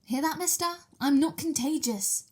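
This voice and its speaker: Woman acting a soft, high-pitched girlish vampire mistress. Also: normal speed, natural voice. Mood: playful. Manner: gleeful, teasing, innocent-sounding. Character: childlike, playful, excitable female vampire mistress. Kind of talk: ASMR roleplay acting.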